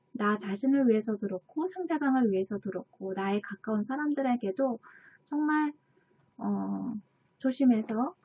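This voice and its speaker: A woman's voice: on the high side, slightly rough. A woman hosting a book channel, talking earnestly in a casual tone and sometimes acting out angry remarks. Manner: earnest, acts out quoted angry lines. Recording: dull lo-fi recording.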